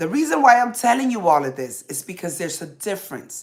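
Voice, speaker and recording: Speaking at a moderate pace, a woman has an animated tone with very wide pitch swings. The recording is very clean with a silent background. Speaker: podcast host and motivational influencer. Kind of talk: live podcast monologue.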